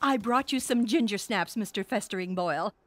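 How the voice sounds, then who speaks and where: A woman's voice: medium pitch, a little fast, no room sound, lightly acted. A woman voicing a sweet, trusting, scatterbrained little old lady in a cartoon, genteel and cheerfully oblivious, with a put-on elderly voice. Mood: sweetly oblivious. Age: older. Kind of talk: cartoon voice acting.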